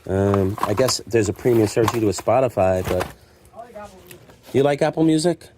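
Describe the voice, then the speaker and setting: Over clear background noise with clicks, a mellow, casual middle-aged man shows stock from his secondhand store, chatting to camera in a rambling way. His fairly low voice has lively intonation and a moderate pace, and he pokes fun at himself while acting out imagined remarks.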